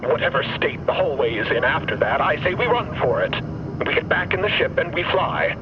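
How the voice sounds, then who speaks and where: A man's voice: sing-song, brisk. An actor playing an earnest, pragmatic, worried starship crewman who speaks formally in an audio drama. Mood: urgent, regretful. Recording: dull sound under loud engine-like rumble.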